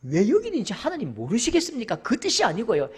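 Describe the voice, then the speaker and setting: A middle-aged man, preaching a sermon as pastor and acting out dialogue with voices that shift between soft and loud. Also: very high-pitched, huge pitch swings, fast, breathy edge.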